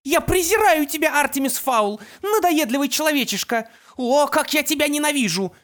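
A woman voicing a sickly mother possessed by a vengeful sorceress, with a shrill, shrieking manner, in an audiobook reading. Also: big pitch swings, moderate pace. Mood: furious. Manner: shrill, shrieking, hissing threats.

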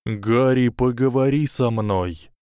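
A man's voice: lowish voice, steady tone, slow, clear, resonant tone, no echo, clean studio sound. A man voicing an old male wizard headmaster pleading in a breaking voice. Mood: pleading, anxious. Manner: pleading, broken voice.

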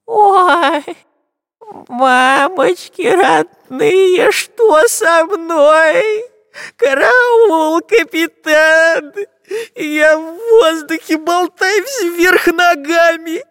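A man's voice: very high-pitched, expressive, takes it slowly, a bit bright, dry recording, clean studio sound, pitched above the performer's own voice, heavily acted. A man voicing a whiny, cowardly, long-nosed male spy in a nasal, whimpering voice.

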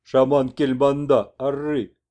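Guy doing an old shaman in a storybook, loud broken chants, slowed way down. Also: medium pitch, flat delivery, close to an everyday voice. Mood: chanting. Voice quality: broken speech, chanting exclamations. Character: old toothless northern shaman messenger, excitable.

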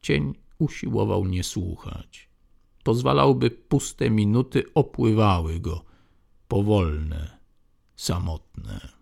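A man narrating an audiobook in a steady, measured way. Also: lowish voice, gravelly. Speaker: audiobook reader.

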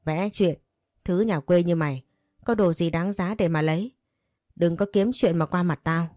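A woman's voice: lowish voice, normal speed, warm tone, dry recording, natural voice. Snooty rich older lady done by a woman storyteller, sneering, dry close sound. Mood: impatient. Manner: scornful and impatient. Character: haughty rich older woman buying a girl.

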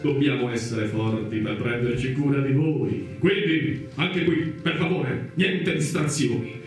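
An actor playing a greedy, sanctimonious Catholic priest in a satirical radio play, preaching, wheedling and scolding with pompous theatricality. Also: male voice, medium pitch, measured pace, close to an everyday voice. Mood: wheedling, preachy. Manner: pompous, wheedling, chanting and exclaiming. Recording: very echoey, distant, music behind.

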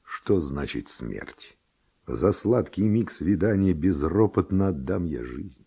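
An actor playing a passionate, pleading seducer in a radio verse drama, with slow declamatory delivery. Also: male voice, low-pitched, animated, warm tone, husky, heavily acted. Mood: seductive, pleading. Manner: slow, declamatory, rhetorical courting. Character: Don Juan, passionate male seducer, ardent and pleading. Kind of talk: classic Russian radio drama acting of verse.

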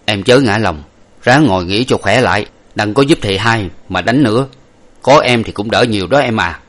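A man's voice: on the low side, normal speed, fairly bright tone. A man voicing a devoted young husband who cries and laments over his wounded wife. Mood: comforting. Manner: wailing, lamenting. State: crying. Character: devoted young husband, grief-stricken fighter.

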